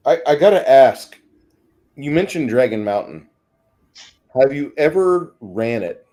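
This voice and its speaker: Man, medium pitch, dark mellow tone, casual panel talk, emphatic, repeated phrases. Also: very animated, measured pace. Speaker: discussion panelist.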